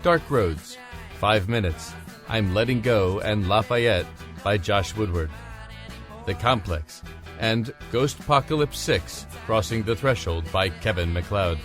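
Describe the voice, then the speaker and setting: A man's voice: fairly low pitch, unhurried. A man reading out scripted music credits as an announcer. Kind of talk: scripted narration.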